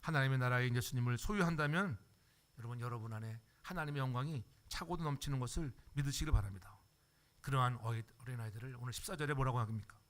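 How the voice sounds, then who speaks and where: Older man, pastor, lively sermon, acts out quick voices, asks the congregation "yes?". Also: mid-range voice. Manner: animated preacher acting out everyday voices, frequent "예?" to the congregation. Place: church sanctuary.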